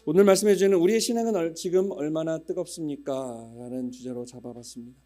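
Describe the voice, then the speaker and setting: Faint music plays behind a mellow, somewhat high male voice that moves fast. He's a pastor in his fifties doing relaxed pre-sermon announcements, full of humorous anecdotes and mimicked regional accents.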